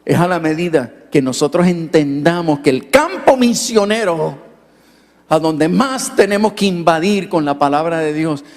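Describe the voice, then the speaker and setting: A man's voice: on the high side, a little slow. A male pastor preaching a sermon in a storytelling manner, turning to the audience with direct questions. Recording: long hall reverb.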